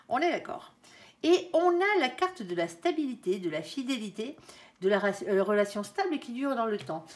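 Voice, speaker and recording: A woman reads tarot cards for her viewers in an easy, chatty way. She speaks straight to them and keeps tagging her sentences with little fillers. Her voice sits at an ordinary pitch for a woman, neither high nor low. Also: a little mellow. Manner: chatty, sprinkles talk with "hein" and "alors"; addresses viewers directly, calls on her angel between draws. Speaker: tarot card reader. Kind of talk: casual tarot reading to camera.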